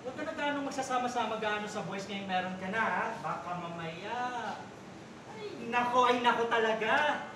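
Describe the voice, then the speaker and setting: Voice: medium pitch, lively intonation, normal speed, close to an everyday voice. An actor in a staged play reading, playing a flamboyant gay older brother who talks campily in exclamations, mixing in English. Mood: sassy scolding. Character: flamboyant, campy gay older brother minding his little sister. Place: basement theater stage. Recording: echoey stage room, distant, loud background noise.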